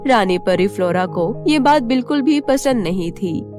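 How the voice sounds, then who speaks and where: A woman's voice: mid-range voice, animated, normal speed. A woman storyteller reading a scripted children's tale as narration. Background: faint music.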